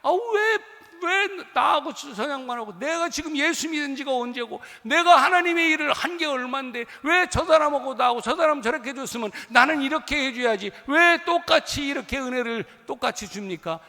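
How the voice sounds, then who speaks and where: A pastor voicing a whining resentful churchgoer. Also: male voice, extremely high pitch, lively intonation, moderate pace, hardly any pauses, pitched above the performer's own voice, exaggerated voice. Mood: aggrieved. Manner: loud, whining complaint. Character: resentful male churchgoer demanding more. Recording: long hall reverb.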